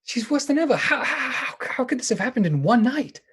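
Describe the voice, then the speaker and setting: Earnest lovesick gentleman, husky, swooping pitch, anxious, hesitant, radio play. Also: big pitch swings, a little fast, heavily acted. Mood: distraught. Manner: hesitant, emotional, stammering when alarmed. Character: earnest, anxious lovesick man, doctor and narrator. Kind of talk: theatrical radio drama acting and narration.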